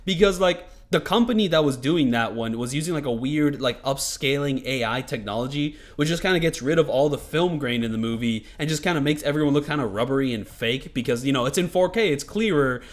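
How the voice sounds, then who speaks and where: A man's voice: mid-range voice, lively intonation, fairly quick, hardly any pauses. A man giving casual, rambling commentary over gameplay, loose and profane, with lots of filler words.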